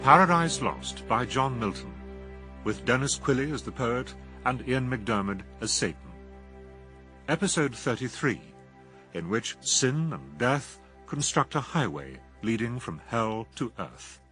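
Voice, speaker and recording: Male radio continuity announcer, formal scripted read, medium pitch, music bed behind. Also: big pitch swings, a little slow, pushed and bright.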